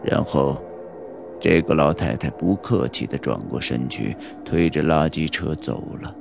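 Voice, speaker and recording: Very deep, gravelly horror storyteller man. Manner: slow, suspenseful storytelling. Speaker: audiobook narrator. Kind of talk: scripted horror audiobook narration. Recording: audiobook with background music.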